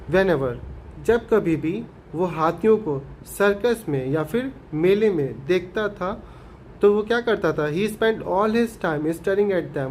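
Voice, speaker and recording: High-voiced man teaching a story lesson. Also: a little mellow, slight background noise, low-quality recording. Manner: asks and answers his own questions, repeats 'okay' often; reads English lines slowly, then explains them. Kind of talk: explaining an English story lesson in Hindi.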